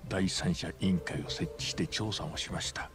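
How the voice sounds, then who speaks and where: A man's voice: low-pitched, steady tone, close to an everyday voice. An actor playing a very old, courteous and grave school chairman in a video game drama, speaking formally and with measure. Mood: grave, guarded. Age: older. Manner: formal, polite, measured old man's delivery. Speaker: school board chairman, client. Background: background music.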